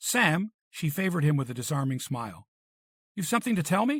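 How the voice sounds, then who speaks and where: A man performs a put-on character voice at a fairly high pitch with very wide pitch swings and a fairly quick pace. The sound is dry and close, with no echo. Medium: read story. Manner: crisp, composed.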